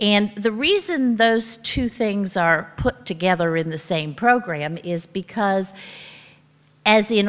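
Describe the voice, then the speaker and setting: A woman speaks at a fairly slow pace with ordinary pitch variation. The background is quiet. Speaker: speaker. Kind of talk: speech. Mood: warm, lightly humorous. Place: hall. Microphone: podium.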